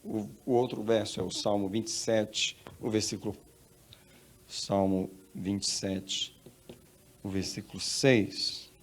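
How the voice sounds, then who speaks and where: A man's voice: on the low side, little pitch movement, slow pace. A male pastor with a Brazilian Portuguese accent, preaching a sermon and telling a story with emphatic repetition. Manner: emphatic storytelling, repeats phrases.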